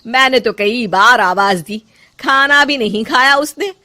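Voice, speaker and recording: A woman's voice: fairly high pitch, a little slow, pushed and bright. A woman voicing an older mother-in-law in a cartoon story, who gives orders at first and later speaks kindly. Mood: complaining. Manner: commanding, then affectionate.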